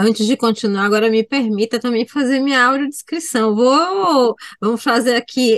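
The sound is dry and close with no echo as a woman with a plain, everyday voice and a fairly high pitch talks at a moderate pace. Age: 50s. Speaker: podcast host. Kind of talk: casual interview. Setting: studio.

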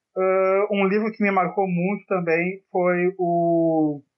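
In a monotone, flat intonation, a man talks at a high pitch. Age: 30s. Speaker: writer and screenwriter. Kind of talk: casual chat.

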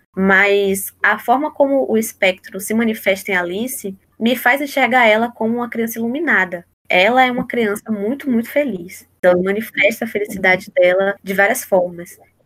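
Fairly high-pitched with ordinary pitch variation, a woman talks in a plain, everyday voice at a moderate pace, with hardly any pauses. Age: 20s. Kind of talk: interview.

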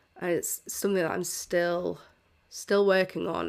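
In a very clean recording with a silent background, a woman with a British accent speaks fairly quickly at a fairly low pitch in a monotone, flat intonation. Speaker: podcast host, mindset coach. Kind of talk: solo podcast monologue. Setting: home recording. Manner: rambling, filler words.

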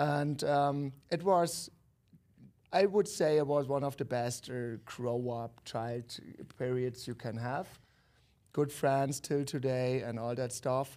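A man with a German accent speaks very slowly in a dark, mellow tone, leaving long, frequent pauses. His medium pitch shows ordinary variation, and the recording is very clean with a silent background. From Germany. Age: 40s. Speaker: founder of a grill company, former professional athlete. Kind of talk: casual interview. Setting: trade show, in person.

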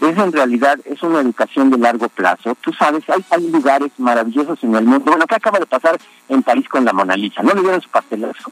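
Speech comes at a very fast pace with hardly any pauses and lively intonation, in a dry, close sound with no echo. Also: man, fairly high pitch for a man. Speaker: historian. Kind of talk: radio interview.

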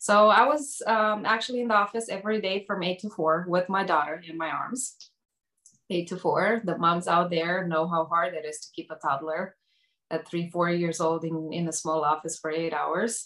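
A woman with a Romanian accent, a bright, sharp tone, a fairly low pitch, ordinary pitch variation and a moderate pace. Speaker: hairstylist and educator. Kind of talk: interview storytelling.

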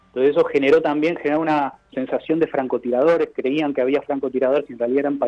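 A man's fairly high voice, very fast and flat in a monotone. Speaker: comic book author. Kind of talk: interview.

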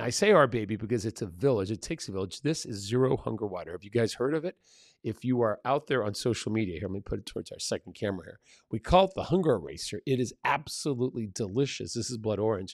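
Very fast, animated speech with lively intonation, in a very clean recording with a silent background and a dry, close sound with no echo. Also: man, medium pitch for a man. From Mexico City, raised in San Diego. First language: Spanish. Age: 50s. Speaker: podcast host, health author. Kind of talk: solo podcast talk. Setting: studio with mic.

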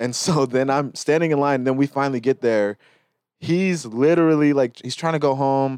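On a very clean recording with a silent background, a man with a normal speaking voice talks in an American accent at a medium pitch with ordinary pitch variation. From US Pacific Northwest, Tacoma, Washington. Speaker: comedian. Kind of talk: casual chat.

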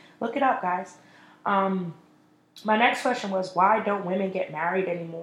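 Pausing long and often, a woman talks with ordinary pitch variation amid noticeable background noise and audible room echo. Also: medium pitch for a woman, moderate pace. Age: 20s. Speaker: podcast host. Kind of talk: casual solo talk.

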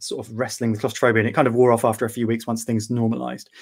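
Speaking in an English accent, a man talks at a medium pitch. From England. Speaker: author. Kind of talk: casual chat.

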